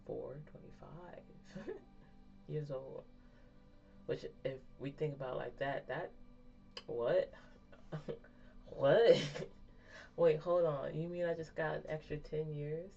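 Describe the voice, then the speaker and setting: In a personal chat with her viewers, this woman in her thirties rambles openly and keeps laughing at herself. She has a low, gravelly, warm voice, and the vlog recording sounds dull and lo-fi with faint background music.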